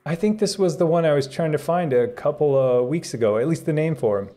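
A man's voice: on the high side, animated, brisk, warm tone. A man hosting a live stream, chatting casually with viewers in a rambling way with many fillers and restarts. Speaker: livestream host. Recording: faint background music.

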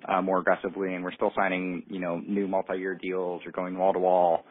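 A man's voice: deep voice, monotone, fairly quick, husky. A man answering analyst questions as a company executive, hesitant and careful to hedge his points. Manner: hesitant, hedging. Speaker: company executive on an earnings call. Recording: muffled narrowband phone line.

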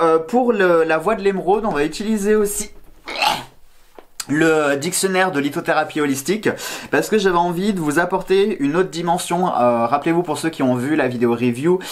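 A man in his thirties with a slight slushy lisp, hosting a casual tarot vlog in a playful, self-teasing, digressive way. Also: on the high side. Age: 30s. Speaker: tarot card reader and video host. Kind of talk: casual chatty vlog to camera. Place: small indoor room, seated at a table.

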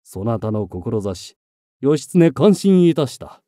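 A man's voice: medium pitch, sing-song, slow pace, mellow, no echo, studio quality. A man voicing a commanding young samurai lord who declaims boldly and proudly. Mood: mocking.

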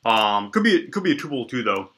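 A young man talks through a coding tutorial from a small room, his voice slightly stuffy from allergies. His tone is bright and forward. He thinks out loud, stumbling and restarting with plenty of ums. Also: mid-range voice, fairly quick. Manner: relaxed, lots of ums and restarts, thinks aloud while typing. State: congested from allergies, sniffling. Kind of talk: casual screen-recorded coding tutorial. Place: small indoor room at a desk.

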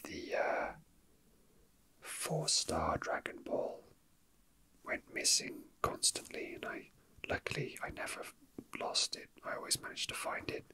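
While handling small objects, an ASMR host whispers close to the microphone, relaxed and in no hurry. The chat is casual, and they seem to be musing to themselves.

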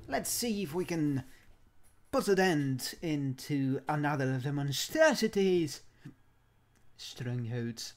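Male let's play commentator: theatrical, mock-genteel put-on accent, leisurely pace, swooping mid-range pitch, playful delivery. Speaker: gamer commentating own play.

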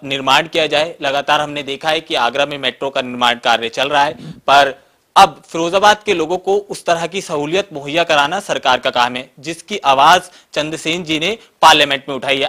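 A man's voice: a little high, brisk, bright, forceful tone. A man with a Western Uttar Pradesh Hindi accent, a reporter asking long interview questions with "uh" fillers.

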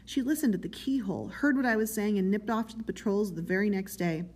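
A woman's voice: medium pitch, fast talker, darkish tone, close to an everyday voice. A woman voicing an eager, servile man in a novel, miserable yet proud, with a pleading, chummy, self-justifying manner. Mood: doleful pride.

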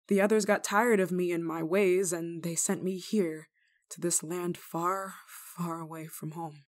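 A woman playing a kindly, rule-breaking nun in an ASMR roleplay, speaking to the listener in a gently teasing, caring manner. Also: on the low side, natural voice. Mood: wry, candid. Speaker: roleplay voice actor.

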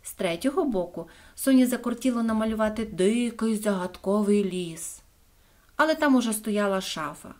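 A woman narrating a children's fairy tale in a gentle, expressive storybook voice. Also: medium pitch, normal speed.

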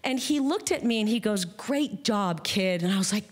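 Middle-aged woman storyteller, animated delivery, acts out voices, live stage telling. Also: a little high, fast talker. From Massachusetts, USA. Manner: animated, quotes people in lively voices.

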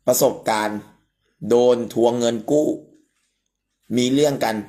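A man hosting a live stream about amulets, talking in an emphatic, explanatory way. He uses a lot of polite particles and points out details as he goes. His pitch sits in an ordinary middle range for a man. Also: darkish tone. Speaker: amulet expert host.

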